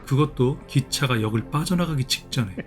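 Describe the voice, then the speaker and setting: A man narrating a fast, scripted recap of a series over its clips. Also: medium pitch. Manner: brisk, even storytelling. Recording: voice-over with loud music underneath.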